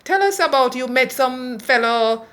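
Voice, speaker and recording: A woman's voice: high voice, lively intonation, unhurried, fairly bright tone. A woman hosting a casual interview, chatty and eager, often laughing and urging her guest on. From Jamaica. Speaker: vlog host.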